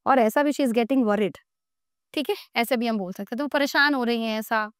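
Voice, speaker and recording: A woman teaches English grammar to a class. Her voice sits high and sounds smooth and clear. It is recorded close and dry, with no room sound. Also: no echo. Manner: asks the class questions, then answers them slowly. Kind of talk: classroom-style grammar lesson.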